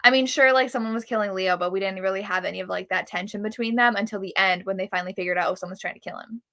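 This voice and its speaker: A woman's voice: mid-range voice, very fast, fairly bright tone. A woman chatting casually about books on a live show, peppering her talk with "like" and acting out quotes. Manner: heavy use of "like". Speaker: co-host of a book club readalong.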